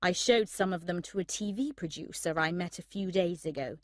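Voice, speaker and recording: A woman's voice: lowish voice, normal speed, dry recording, clean studio sound, natural voice. A woman reading a letter from a slightly drunk young man, rambling and earnest.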